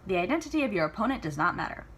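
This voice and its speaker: A woman's voice: medium pitch, big pitch swings, rapid-fire, a bit bright, husky. A woman voicing a stern, disapproving gray-haired ghost father in a storybook, curt and dismissive. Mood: cold, contemptuous. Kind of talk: storybook character reading.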